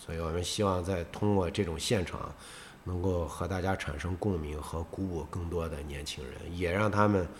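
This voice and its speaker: Audible room echo surrounds a man's very deep, low voice, which is somewhat breathy. He keeps a moderate pace and fairly even intonation. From Yinchuan, northwest China. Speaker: rock band lead singer. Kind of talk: casual interview.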